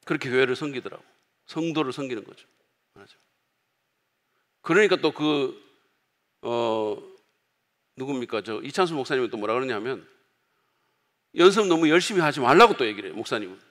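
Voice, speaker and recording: Korean pastor preaching in a reverberant church. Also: male voice, medium pitch, brisk, pauses often. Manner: conversational preaching, acts out quoted outbursts loudly. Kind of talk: sermon. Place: church sanctuary.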